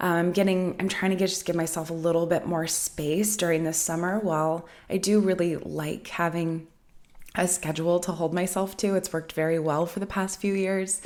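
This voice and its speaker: A woman's fairly low voice, monotone and flat, at a moderate pace. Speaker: podcast host. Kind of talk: reflective solo podcast monologue. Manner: halting, many fillers and restarts.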